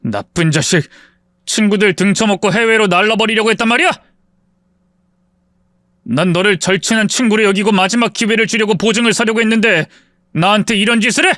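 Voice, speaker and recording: A man voicing an earnest, soft-hearted husband who swings from anger at a friend to humble apology. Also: high-pitched, a little fast, long pauses, dry recording, clean studio sound. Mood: angry. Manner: angry then humbly apologetic.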